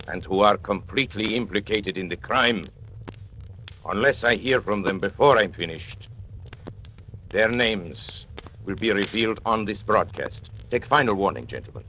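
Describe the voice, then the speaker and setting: A sinister confidential agent who taunts his former employers with mocking menace. The voice is very deep and theatrical, in old-time radio style. Faint hiss sits under the recording. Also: fairly bright tone. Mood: menacing. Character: sinister male confidential agent turned blackmailer. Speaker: narrator. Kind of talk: 1940s radio acting.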